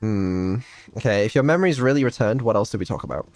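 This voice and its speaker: A man's voice: fairly low pitch, animated, fast, a little mellow, no echo. A man, streaming and quizzing his AI in an exasperated, incredulous way. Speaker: streamer and developer. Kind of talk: casual stream chat.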